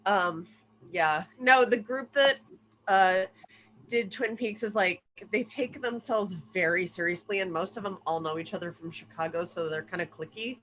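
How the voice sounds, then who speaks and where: A woman chatting casually and excitedly with friends on a video call at home, exclamatory and free with swearing. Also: mid-range voice, moderate pace. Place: indoors at home, in a bedroom. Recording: noisy video call audio.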